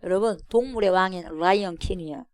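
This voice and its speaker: A woman pastor giving an animated expository sermon, calling out to her congregation and acting out a roaring lion. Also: fairly low pitch, quick pace, no room sound, studio quality.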